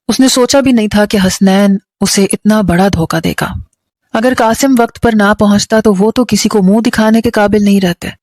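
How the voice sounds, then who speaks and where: A woman narrator telling a moral romance story in an even, measured way. Her voice sits at a middle pitch. The recording is dry and close, with no room sound. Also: dry recording.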